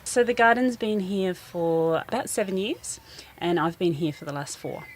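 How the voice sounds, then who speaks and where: New woman, low voice, earnest garden teacher, faint outdoor hiss. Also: normal speed. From New Zealand. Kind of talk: radio interview, outdoor.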